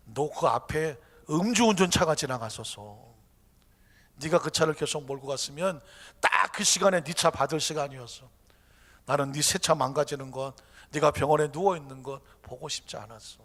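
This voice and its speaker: A man voicing God, calm and gentle. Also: a little high, moderate pace, pitched below the performer's own voice. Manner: calm, gentle, patient explaining. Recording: long reverb of a church hall.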